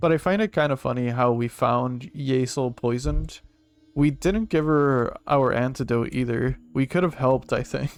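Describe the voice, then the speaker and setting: Music plays in the background as a man talks at a moderate pace. His loudness stays very even. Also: medium pitch for a man, ordinary pitch variation. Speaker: video game streamer. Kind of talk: gameplay commentary. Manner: casual, halting.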